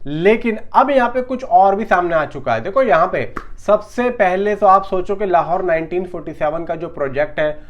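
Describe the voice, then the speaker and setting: A man's voice: high voice, animated, moderate pace, few pauses, lo-fi sound. A man giving casual film news commentary in a conversational, emphatic, repetitive way, talking straight to his viewers.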